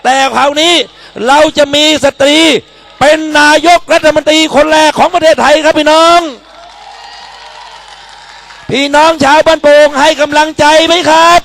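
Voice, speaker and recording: Very high-pitched, gravelly man orating at a rally. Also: fairly even intonation, fairly quick, fairly bright tone, rough recording. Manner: declamatory, emphatic short phrases. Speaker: rally speaker introducing a candidate. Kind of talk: political rally oratory. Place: public campaign rally in Thailand.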